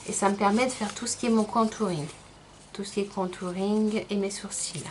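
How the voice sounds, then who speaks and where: Medium-pitched woman with fairly even intonation and noticeable background noise. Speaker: beauty vlogger. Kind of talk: makeup tutorial. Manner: hesitant, many fillers; casual.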